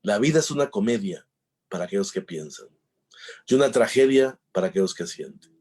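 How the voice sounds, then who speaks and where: A man's voice: fairly low pitch, lively intonation, fairly quick, darkish tone, husky. A man giving a talk on emotional intelligence, telling jokey stories and acting out the dialogues. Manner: jokey storyteller, acts out dialogues. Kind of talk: conference talk with anecdotes.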